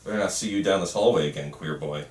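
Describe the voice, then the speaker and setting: A man's voice: low-pitched, fast talker, pitched below the performer's own voice, lightly acted. A man voicing an aggressive, taunting teenage bully in an amateur table read. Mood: menacing. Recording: echoey room, distant mic, faint noise.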